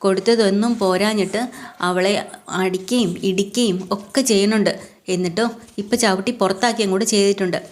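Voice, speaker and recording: A woman's voice: mid-range voice, fairly even intonation, brisk, natural voice. A woman voicing a bold, manipulative middle-aged mother who talks in a pushy, dramatic way. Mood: pleading. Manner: pushy and dramatic, wailing in fake distress.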